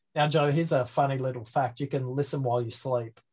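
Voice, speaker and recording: Against a quiet background, a man with an Australian accent speaks somewhat breathily at a fairly high pitch with fairly even intonation. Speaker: listening expert and speaker. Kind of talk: webinar talk. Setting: video call webinar.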